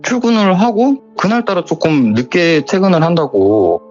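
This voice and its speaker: A man casually retelling a viewer's horror story in a chatty, animated way, with dramatic emphasis. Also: a little high, moderate pace, muffled recording, faint music behind.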